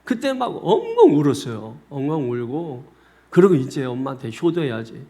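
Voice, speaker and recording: A man's voice: medium pitch, moderate pace. A man, a senior pastor, preaching a sermon and telling a personal story, often speaking straight to his congregation. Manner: animated storyteller, often addressing the congregation directly. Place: church sanctuary.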